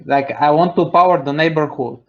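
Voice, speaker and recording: A man's voice: on the high side, steady tone, brisk, lo-fi sound. A man from Bulgaria in the audience asks a question, hesitant and full of filler sounds and restarts. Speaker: audience member asking a question.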